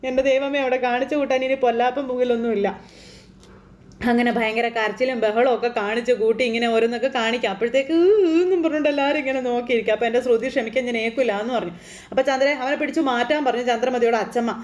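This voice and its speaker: High-pitched woman from kerala rattling off a soap recap, chatty, quick. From Kerala, India. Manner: animated, chatty, tag questions. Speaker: serial recap narrator. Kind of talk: casual plot retelling.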